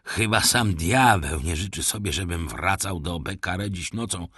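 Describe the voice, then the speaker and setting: A man reading an audiobook and voicing a hearty travelling jeweler who talks in a brisk, grumbling way. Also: sits low, sharp tone, slightly rough, no echo, clean studio sound, exaggerated voice. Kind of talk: audiobook character voice.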